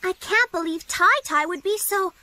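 A woman's voice: very high voice, normal speed, background noise. A woman voicing a curious young female kitten in a cartoon, asking many questions. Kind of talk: cartoon voice acting.

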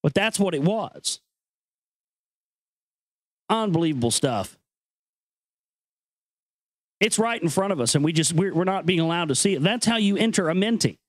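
A man's voice: high-pitched, expressive, moderate pace, pauses often, no room sound. A man hosting a show, moving between dramatic reading and casual, earnest, conspiratorial commentary. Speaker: host reading an ancient text with commentary.

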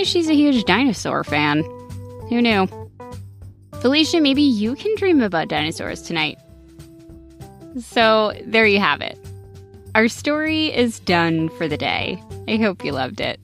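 A woman gently and expressively reading a rhyming bedtime story aloud. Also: mid-range voice. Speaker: storybook narrator.

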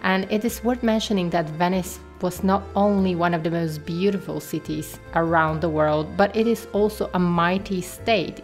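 A woman's voice: lowish voice, darkish tone. A woman vlogger narrating her trip in an enthusiastic, admiring way, with some "um" fillers. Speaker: travel and beauty vlogger. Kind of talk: travel vlog voice-over narration.

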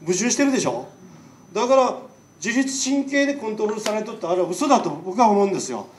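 With a high voice, lively intonation and a fast delivery, a man lecturing publicly as a doctor chats in Nagasaki dialect and keeps tossing rhetorical questions at listeners. The recording from the lecture hall is echoey, with the mic far away and slight background noise.

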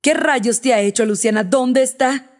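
A woman's voice: sits high, moderate pace, natural voice. A woman reader voicing a protective man who speaks firmly and steadily in an audiobook, in nearly her own voice. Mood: angry. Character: protective man, angry then soothing. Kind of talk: audiobook character reading.

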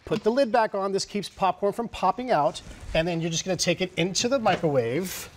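A man's voice: high voice, animated, brisk. A middle-aged man demonstrates kitchen products on live TV. He is casual and enthusiastic, chatting as he works, with faint noise in the studio behind him. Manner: casual, enthusiastic, talking while working. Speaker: guest product demonstrator and cook. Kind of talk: live cooking demonstration sales chat.

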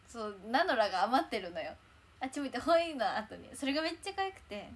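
A woman's voice: fairly high pitch, very animated, quick pace, breathy edge. A young woman chatting casually on a livestream in a bubbly, chatty way, thanking viewers as they arrive. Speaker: idol livestreamer.

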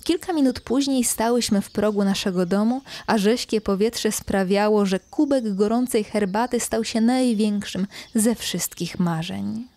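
Hushed, mellow woman narrating a scary story. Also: mid-range voice, no echo. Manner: slow and hushed, often whispered. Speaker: podcast host reading her own story. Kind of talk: scripted horror story narration.

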